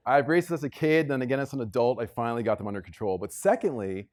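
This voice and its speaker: A man's voice: medium pitch, expressive, quick pace. A middle-aged American man delivers a motivational keynote to a live room, telling personal stories conversationally and repeating phrases for emphasis. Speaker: keynote speaker. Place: live talk on stage to a room of listeners. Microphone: stage microphone.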